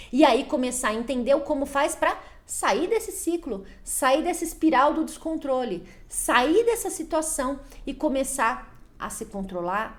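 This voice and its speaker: A woman's voice: a little high, echoey room. A woman in her forties, a parenting coach, talking casually in a live video to her viewers and acting out little dialogues between parent and child. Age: 40s. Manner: coaching, acts out little dialogues in quick changing voices.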